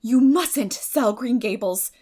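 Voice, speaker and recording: A woman's voice: fairly high pitch, slow pace, a little mellow, voice pushed up. A woman voicing an earnest teenage girl in a storybook, emotional, pleading and emphatic, tender yet resolute. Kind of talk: dramatic audiobook reading.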